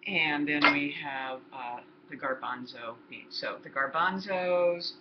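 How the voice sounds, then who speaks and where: A woman's voice: sits low, takes it slowly. A woman in her sixties giving a chatty home cooking demonstration in her kitchen, explaining each step to the viewer. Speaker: cooking instructor. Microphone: laptop built-in mic. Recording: roomy, dull lo-fi laptop sound with background noise.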